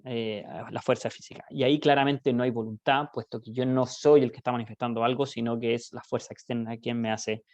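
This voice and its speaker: A man with a Chilean accent giving an online law lecture, explaining with everyday examples, often pausing on "eh" and checking in with "¿ya?". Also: medium pitch, darkish tone, dry recording.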